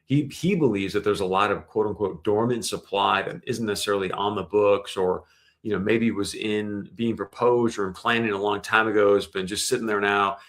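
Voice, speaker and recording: A man's voice: fairly low pitch, fairly even intonation, normal speed, a bit bright. A man hosting a show, giving conversational, explanatory industry commentary with emphasis. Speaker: show host.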